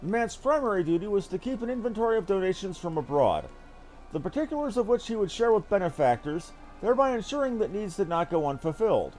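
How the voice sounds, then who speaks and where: A man's voice: high-pitched, big pitch swings, fast, darkish tone. A man voicing a dutiful military captain who reports in formal, archaic words. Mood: formal, reporting. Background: game music.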